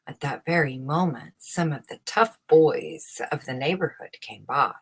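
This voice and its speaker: Woman, husky, lowish pitch, slow pace, expressive scripted storybook narration. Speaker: storyteller reading a children's book aloud.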